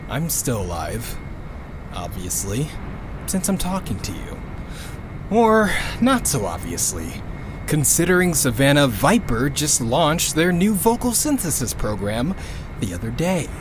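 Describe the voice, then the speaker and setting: A man playing a weary, wry survivor recording a personal log in a sci-fi audio drama, halting, conversational and sardonic. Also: medium pitch, very animated, background noise.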